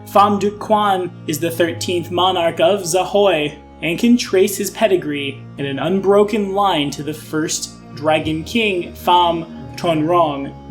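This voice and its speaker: A young man hosting an online channel, giving a casual overview of tabletop game lore with dry, sarcastic asides. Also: fairly high pitch. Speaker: YouTube host explaining game lore.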